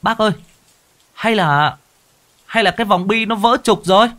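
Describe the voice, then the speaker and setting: A man voicing an anxious young village man asking a hurried, worried question. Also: sits high, a bit bright, voice pushed up.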